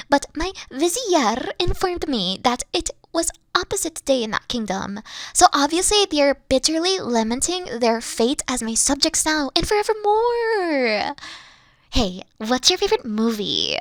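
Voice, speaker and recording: A woman playing a haughty but secretly soft, dorky evil queen in a roleplay audio, pompous, theatrical and easily flustered. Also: high-pitched, no echo, clean studio sound, exaggerated voice. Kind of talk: playful roleplay audio acting.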